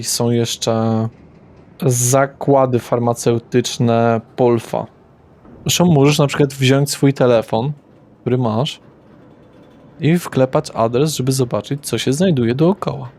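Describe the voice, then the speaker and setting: A man's voice: medium pitch, darkish tone. A man as game master, describing scenes loosely with fillers and self-corrections, on a home mic. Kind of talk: narrating a tabletop game.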